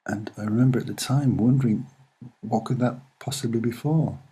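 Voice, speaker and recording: A soft-spoken man with a husky voice, giving a casual, musing and hesitant commentary as he explains what he sees. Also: medium pitch, brisk. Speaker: video narrator.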